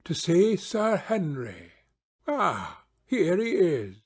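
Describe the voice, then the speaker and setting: A man's voice: high voice, huge pitch swings, extremely slow, husky, voice pushed up, full character voice. A man playing a confident, eager male detective in an audiobook, with commanding, precise phrasing. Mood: brisk, assured. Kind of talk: audiobook character acting.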